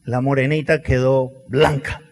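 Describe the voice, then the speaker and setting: A middle-aged man preaching a sermon, telling stories with acted quotes and dramatic pauses. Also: mid-range voice, level tone, gravelly. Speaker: pastor. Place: large church hall. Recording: long church hall reverb.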